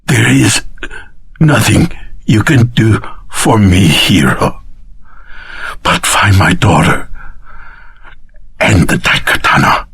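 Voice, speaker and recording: Raspy, dying old swordmaster. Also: male voice, on the low side, sing-song, fairly bright tone, no room sound, heavily acted. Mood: weak, urgent. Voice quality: husky, breathy rasp. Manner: halting, weighty, solemn delivery. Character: dying old Japanese swordmaster father, solemn and grave. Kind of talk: dramatic video game voice acting.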